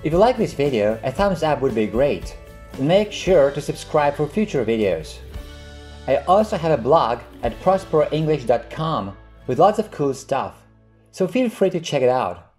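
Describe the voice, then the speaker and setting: A man hosting an English vocabulary lesson, reading example sentences and definitions slowly and clearly. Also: fairly high pitch, very animated, darkish tone, soft background music. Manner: slow, carefully enunciated reading of example sentences. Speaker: English teacher.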